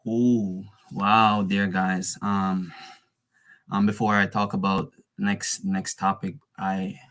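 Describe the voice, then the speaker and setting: A man's voice: low voice, level tone, slow pace, a bit bright, faint music behind. A man presenting information to students in a casual, repetitive way, addressing them as "guys". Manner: casual, addresses listeners as "guys", fillers and restarts. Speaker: dual enrollment presenter.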